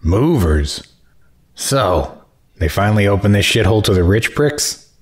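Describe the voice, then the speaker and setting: A gruff homeless rival with a very deep voice. He is blunt, crude and hostile, a character in a horror audio drama. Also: big pitch swings, unhurried, slight background noise. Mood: gruff, suspicious. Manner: blunt, foul-mouthed.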